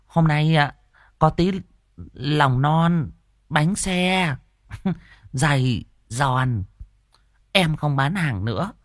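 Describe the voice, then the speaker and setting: A man voicing a fat, jealous middle-aged woman who sells tripe porridge, shrill and scolding. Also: animated, very slow, pauses often, no echo, studio quality, heavily acted. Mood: flirty.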